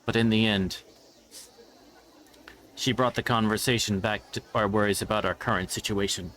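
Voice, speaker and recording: A man's voice: on the low side, steady tone, normal speed, fairly bright tone, a little hiss or hum. A man reading a visual novel's narration aloud on a livestream, now and then stumbling over a word. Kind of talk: scripted narration read aloud live. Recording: background music.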